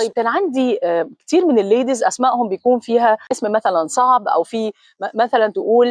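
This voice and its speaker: In an Egyptian accent, a woman with a fairly high voice and lively intonation speaks at a moderate pace, the sound dry and close with no echo. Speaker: voice and dubbing coach. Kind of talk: instructional talk to camera.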